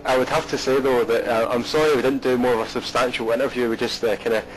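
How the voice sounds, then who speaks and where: A man's voice: medium pitch, fairly even intonation, fast talker, a little hiss or hum, low-quality recording. A Scottish man commentating an online race and chatting with a guest, rambling with fillers and restarts. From Scotland. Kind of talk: live race commentary and interview.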